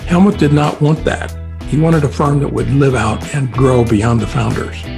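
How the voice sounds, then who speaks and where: A man's voice: medium pitch, fairly even intonation, normal speed, creaky. A man, a former firm chief, recounting past business events in a plain, matter-of-fact way. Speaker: former architecture firm CEO, podcast co-host. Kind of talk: recalling past events in a clip. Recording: clip with music underneath.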